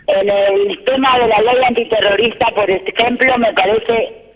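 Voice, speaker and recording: A woman speaking calmly as a guest over a choppy phone line that keeps breaking up, talking in measured phrases with restarts. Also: a little high, in a large hall. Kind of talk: live phone interview.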